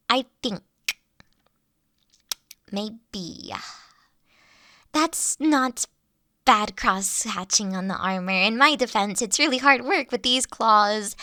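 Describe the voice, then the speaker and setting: A woman's voice: a little high, sharp tone, dry recording, studio quality, exaggerated voice. A woman playing an eager, anxious young college dragon in a roleplay audio drama, gushing and rambling, stammering when flustered.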